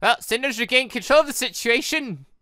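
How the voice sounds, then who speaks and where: A man's voice: very high-pitched, a little fast, no room sound. A man giving casual let's play commentary as a gaming host, rambling and often interrupting himself as he reacts. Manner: rambling, animated, self-interrupting.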